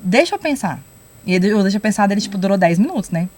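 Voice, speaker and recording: A young adult woman telling a personal faith testimony on a podcast, lively and acting out the lines she quotes. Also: medium pitch, very fast. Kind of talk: casual testimony storytelling.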